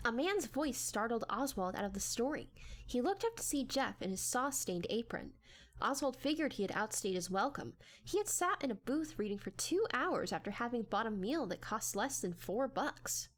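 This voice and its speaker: A woman's voice: on the high side, sing-song, moderate pace. A woman narrating a story as a dramatic audiobook reading.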